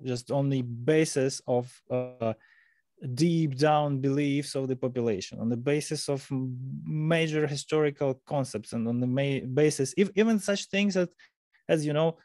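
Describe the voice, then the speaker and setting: Russian-accented host, halting and dry. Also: male voice, mid-range voice, dry recording. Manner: halting, searching for words, animated. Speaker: podcast host. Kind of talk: casual interview talk. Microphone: large mic on a video call.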